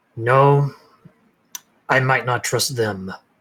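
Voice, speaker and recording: Using a put-on character voice, a man speaks at medium pitch with fairly even intonation. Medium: actual play. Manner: blunt, curt.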